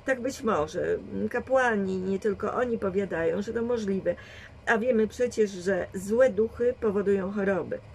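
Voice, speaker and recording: A woman's voice: mid-range voice, a little hiss or hum, lightly acted, poor audio. A woman voicing a shrewd, dry and commanding old grandmother who reasons firmly in a read storybook. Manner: measured, firm reasoning.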